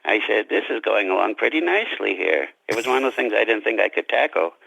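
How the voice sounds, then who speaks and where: A man's voice: on the low side, animated, quick pace, gravelly, pushed and bright, slightly rough, no room sound, rough recording. A man being interviewed as an author, conversational and courteous, with formal turns of phrase and a self-deprecating manner.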